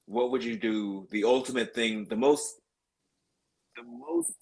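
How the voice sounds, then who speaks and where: A man's voice: medium pitch, huge pitch swings, unhurried, gravelly, darkish tone, rough recording. Man on a remote call, audio cutting in and out. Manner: blunt, swears freely. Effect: remote call audio cutting in and out, uneven volume. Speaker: podcast co-host. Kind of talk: casual podcast chat. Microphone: remote call connection.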